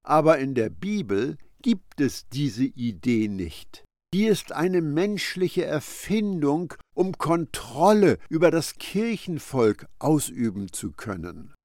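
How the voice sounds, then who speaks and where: Male preacher, fairly high voice, lively swinging pitch, emphatic direct address. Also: slow, no room sound, studio quality. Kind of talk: sermon-style Bible commentary.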